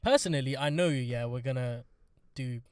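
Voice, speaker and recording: A young man co-hosting a podcast in animated, jokey banter. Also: mid-range voice, normal speed, clear, resonant tone, no room sound, clean studio sound. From England. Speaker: podcast co-host. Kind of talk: casual chat. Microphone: podcast mic, close.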